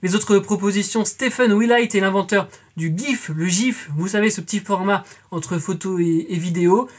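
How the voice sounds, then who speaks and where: A young woman hosts a scripted culture quiz with a slightly husky, breathy voice. She talks to her audience like friends and drops playful, joking asides between the questions. Her pitch sits in a middle register. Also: moderate pace. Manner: chatty, addresses viewers as friends with playful asides. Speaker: quiz show host.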